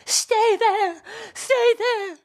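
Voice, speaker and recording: A woman voicing a lovesick young female nymph who can only repeat others, crying out high and pleading. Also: very slow, full character voice. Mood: echoing.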